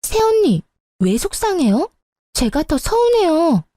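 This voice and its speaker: High whiny young sister-in-law, indignant, mellow dry voice, woman voicing her. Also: sing-song, unhurried, dry recording, heavily acted. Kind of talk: story radio drama reading.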